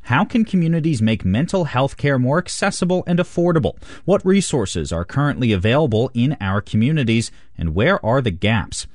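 Brief: male announcer, animated pitch, dry studio read of an event promo. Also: moderate pace, hardly any pauses, no room sound. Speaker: radio announcer.

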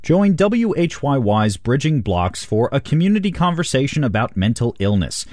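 A man announcer reading a scripted community event promo in an inviting, clear way. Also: medium pitch, very animated, moderate pace, a little mellow. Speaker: radio announcer.

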